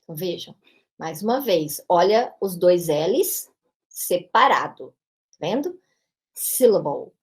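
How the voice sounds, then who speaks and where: Brazilian teacher with a São Paulo interior accent. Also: female voice, on the low side, lively intonation, takes it slowly. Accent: São Paulo interior Brazilian Portuguese. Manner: explanatory, checks in with frequent tag questions. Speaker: English teacher. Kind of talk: pronunciation lesson narration.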